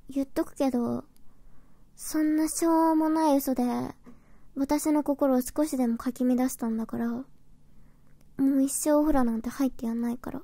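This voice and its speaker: A woman voicing a huffy tsundere girlfriend in a breathy ASMR role-play, stammering flustered denials while secretly soft. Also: high-pitched, fairly even intonation, unhurried, long pauses, dry recording, heavily acted. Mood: huffy, defiant. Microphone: close, dry binaural microphone.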